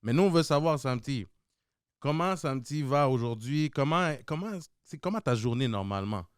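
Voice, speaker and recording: A man's voice: mid-range voice, lively intonation, normal speed, clear, resonant tone, no echo, clean studio sound. A man with a Québécois accent co-hosting a casual podcast, talking in a loose, joking way with slang and repeated words. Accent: Québécois French. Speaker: podcast co-host.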